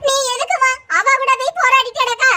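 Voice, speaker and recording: A woman's voice: very high voice, fairly quick. A woman voicing a kind, patient older sister who soothes her family. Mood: soothing. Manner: soothing, gentle. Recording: loud background noise.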